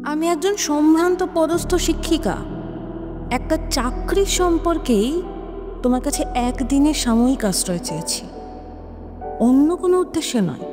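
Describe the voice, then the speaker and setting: A woman's voice: sits high, lively intonation, moderate pace, long pauses. A woman playing a proud, dignified schoolteacher, defiant and formal, in a dramatic audio drama style. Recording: long reverb, prominent music underneath.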